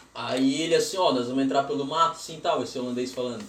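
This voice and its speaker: This man talks very fast amid audible room echo and noticeable background noise. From Braço do Norte, Santa Catarina, Brazil. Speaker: podcast guest storyteller. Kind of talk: casual chat.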